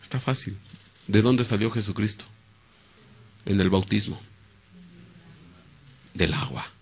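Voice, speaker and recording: A man preaching a sermon. He asks rhetorical questions and answers them himself, and he swings between loud emphasis and quiet, low asides. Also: slow pace, vocal fry, slightly rough.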